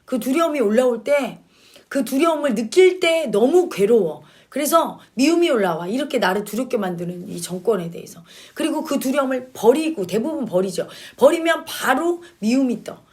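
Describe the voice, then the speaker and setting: A woman's voice: sits high, animated, normal speed, darkish tone. A woman commentator giving blunt opinions, stressing her points by repeating key words and mixing casual and polite speech. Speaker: commentator answering questions.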